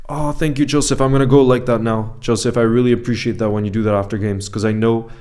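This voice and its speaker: A man of mixed French and Icelandic background chats casually on a football live stream, reading viewer comments aloud, greeting people by name and often repeating himself. His voice is medium-pitched, steady, fast and dark.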